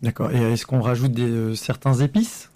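A man hosting a community radio show, asking a guest questions in a relaxed way with fillers. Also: medium pitch, moderate pace, no room sound. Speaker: radio host. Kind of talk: radio interview, casual.

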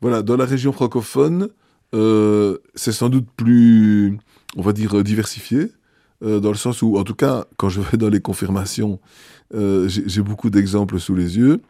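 Male bishop, interviewed; mellow, low tone, hesitant and measured delivery. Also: steady tone, no room sound, clean studio sound. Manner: thoughtful, hesitant, frequent filler pauses. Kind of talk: interview answers.

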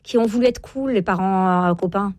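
A woman in her forties with a medium-pitched, slightly mellow voice speaks in a recording with no echo. She is an author on parenting and a child psychologist appearing as an interview guest, talking fast and emphatically with lots of fillers and repeated agreements.

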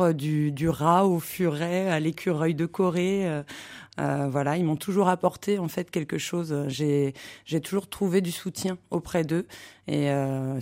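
A woman from the Paris region answering radio interview questions, often pausing on filler sounds. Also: low-pitched, mellow. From Paris region, France. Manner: hesitant, many filler sounds. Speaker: interview guest, animal care worker.

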